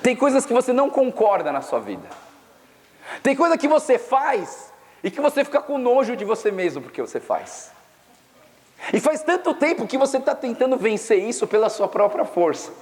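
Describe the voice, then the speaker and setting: A man's voice: high voice, a little mellow, in a large hall. A young man from Brazil preaching at a youth camp, telling stories casually with slang. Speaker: pastor. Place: camp meeting hall.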